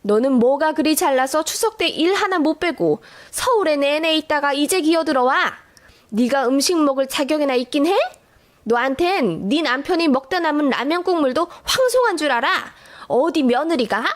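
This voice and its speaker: A woman voicing a sharp-tongued, scolding older mother-in-law in a radio drama who talks with shrill contempt. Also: animated, normal speed. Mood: scornful.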